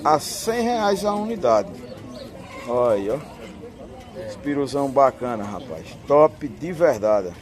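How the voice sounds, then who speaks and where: A man's voice: medium pitch, big pitch swings, takes it slowly, crowd noise. A man with a Northeastern Brazilian accent, chatting casually as he films an outdoor animal market. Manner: chatty, keeps pointing things out. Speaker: vlogger filming a market. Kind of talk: casual walking vlog commentary. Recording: crowded outdoor market noise.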